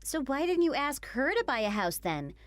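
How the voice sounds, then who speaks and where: A woman voicing a patient, hurt young wife who pleads with her mother-in-law in an animated story. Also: sits high, normal speed, no echo. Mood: pleading. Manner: earnest, pleading. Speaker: daughter-in-law.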